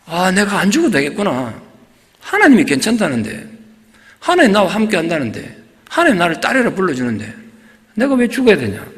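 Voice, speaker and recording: A man's voice: sits high, wildly swooping pitch, a little fast. A man voicing a scarred, tearful adult woman who pleads earnestly as she tells of her hard past, in a sermon. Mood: relieved. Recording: long church reverb.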